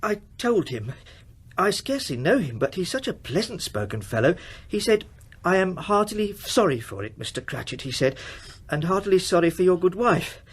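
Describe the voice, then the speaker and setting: An actor playing a gentle, middle-aged poor father in a radio drama, speaking tenderly and haltingly to his family through his grief. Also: sits high, husky, heavily acted.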